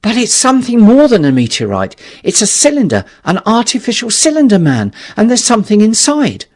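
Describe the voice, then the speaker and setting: A man's voice: sits high, wildly swooping pitch, fairly quick, pitched above the performer's own voice, heavily acted. A man voicing an agitated male astronomer in an audiobook, exclaiming with breathless alarm and urgency. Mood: urgent excitement. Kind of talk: dramatised audiobook dialogue.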